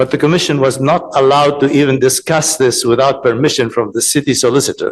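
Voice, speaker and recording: Barely pausing, a man with a fairly high voice rushes along at a very fast pace, with fairly even intonation and very even loudness. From Palestine. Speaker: resident giving public comment. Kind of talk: public comment at city council.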